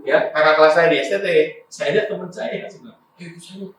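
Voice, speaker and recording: Lively pastor preaching in an echoey church. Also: male voice, a little high, fast talker, a little hiss or hum. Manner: lively preacher, often addresses the congregation. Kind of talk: sermon with personal stories. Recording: echoey church hall from far off.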